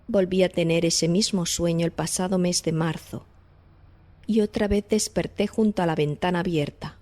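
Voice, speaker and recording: An actress playing a frightened young artist's model haunted by dreams, earnest and insistent, in a dramatized audiobook. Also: female voice, on the low side, fairly even intonation, normal speed, a little mellow, natural voice. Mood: haunted, recounting. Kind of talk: dramatized audiobook acting in Spanish.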